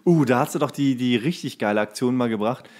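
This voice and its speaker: A man's voice: medium pitch, fast, a little mellow. Man casually swapping anecdotes. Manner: loose, colloquial storytelling. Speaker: podcast co-host.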